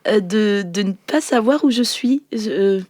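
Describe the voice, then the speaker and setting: A woman playing a polite, earnest new-age yoga devotee, flustered and halting as she talks herself calm in an improvised role-play. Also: mid-range voice, no room sound. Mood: anxious self-soothing. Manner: halting, breathing through her emotions, therapy-speak.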